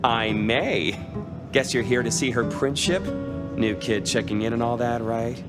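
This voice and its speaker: A man's voice: mid-range voice, unhurried, loud music behind the voice, lightly acted. An actor voicing a flamboyant, foul-mouthed male vampire in a video game, campy, theatrical and teasing. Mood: wry.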